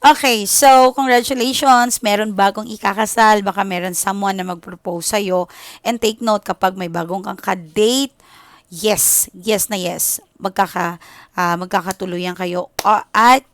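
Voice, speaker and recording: Filipina tarot reader, chatty, keeps asking "okay?", dry close sound. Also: female voice, mid-range voice, fairly even intonation, measured pace, no room sound. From Philippines. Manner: chatty, switches into English, frequent "okay?". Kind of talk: casual tarot reading chat.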